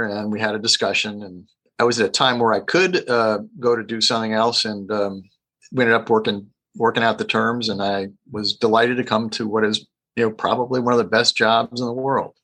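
A man in his sixties, an executive director appearing as an interview guest, speaking in a relaxed, halting way. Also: lowish voice, poor audio. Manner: relaxed, hesitant with fillers. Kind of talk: casual interview.

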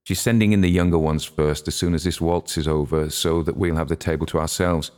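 A man voicing a lively, eager young wife who talks in a quick, confiding way. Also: a bass voice, clean tone.

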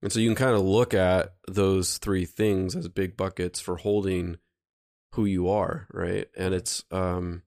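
A man hosting a reflective conversation, calmly laying out an idea and checking in with "right?" as he goes. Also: low-pitched, a little slow. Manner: calm, explanatory, often checks in with "right?". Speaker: host.

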